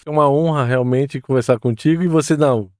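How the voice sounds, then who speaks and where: A man's voice: medium pitch, brisk, a little mellow, dry recording, studio quality. A man hosting a podcast interview, talking in an enthusiastic, welcoming way. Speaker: podcast host.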